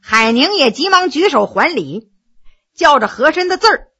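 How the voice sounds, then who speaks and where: A woman telling a historical story in expressive narration. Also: high-pitched, moderate pace, dull audio.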